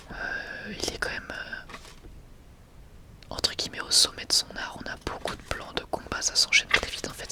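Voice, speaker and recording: A person whispering softly and breathily in an informal, hesitant, unhurried ASMR showcase. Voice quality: soft, breathy unvoiced whisper. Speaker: ASMR video creator.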